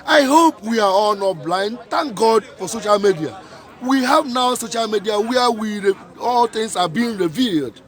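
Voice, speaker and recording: A man's voice: high voice, animated, moderate pace. A man giving an impassioned protest speech outdoors, repeating his points with emphatic rhetorical questions. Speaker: protest speaker.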